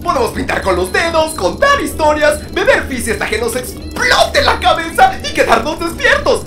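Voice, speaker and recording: Game sun animatronic: manic, over-friendly, frantic, Latin American accent, very animated, music behind. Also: male voice, very high-pitched, moderate pace, distant mic, heavily acted. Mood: excited, welcoming. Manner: exclamatory, frantic, hyper-cheerful babbling. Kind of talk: game character fan dub.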